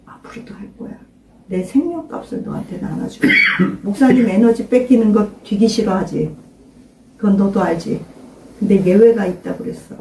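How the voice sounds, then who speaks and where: Here the older woman pastor's medium-pitched voice carries a little hiss or hum as she gives an informal sermon to a small congregation. Emphatic in manner, she questions listeners and urges loud prayer, recorded from afar in an echoey room.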